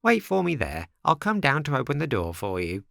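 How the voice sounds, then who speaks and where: Storybook snail, male reader acting: female, placid, motherly and unhurried, in a raised, gentle pitch. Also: vocal fry, no room sound, clean studio sound, heavily acted. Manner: calm, peaceful, unhurried. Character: large female snail servant, calm, slow, unhurried, motherly.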